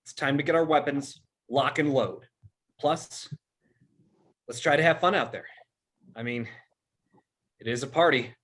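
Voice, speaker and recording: A man's voice: mid-range voice, measured pace, pauses often, a bit bright. A man playing an earnest teenage boy who rallies his friends in a film table read. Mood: rallying.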